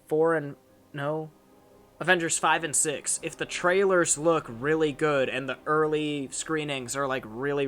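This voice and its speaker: A man's voice: medium pitch, a bit bright. A young man hosting a casual chat, rambling with lots of fillers and restarts. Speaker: channel host.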